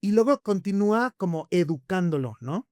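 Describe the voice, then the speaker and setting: A man with a Mexican accent, a podcast guest, telling stories in a lively conversational way, full of rhetorical questions. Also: sits high, normal speed, no echo, clean studio sound. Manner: animated storyteller, rhetorical questions, frequent tag "¿no?".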